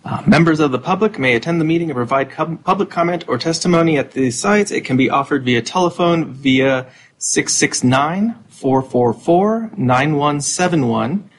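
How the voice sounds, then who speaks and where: A man from the technical staff reading out a public comment announcement and phone numbers in a hurried, matter-of-fact way. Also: fairly high pitch, lively intonation, poor audio. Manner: rushed, reading numbers aloud.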